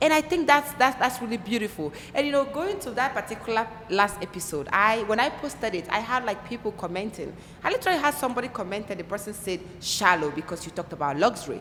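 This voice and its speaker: Over noticeable background noise, a woman with a Nigerian accent speaks at a very fast pace and a fairly high pitch, her pitch swinging very widely. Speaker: podcast host. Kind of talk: podcast interview. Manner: hesitant, many fillers.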